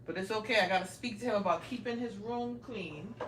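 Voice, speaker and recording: Phone in hand, a Brooklyn-raised woman in her forties streams a relaxed tour of her house and keeps addressing her viewers directly. She talks fairly quickly in a mid-range, fairly bright voice. Faint noise and a roomy echo come from the small rooms.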